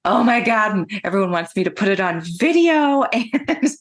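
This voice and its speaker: A woman podcast host with a very soft voice, speaking slowly and pausing between thoughts in a casual interview. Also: mid-range voice, big pitch swings.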